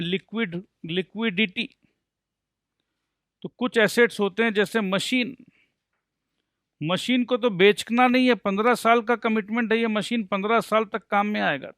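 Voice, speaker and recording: A man's pushed, bright voice sits high as he gives a recorded accountancy lecture. Playful throughout, he switches between Hindi and English, uses jokes to make points, and answers his own questions like a student would. The sound is dry and clean, studio-made.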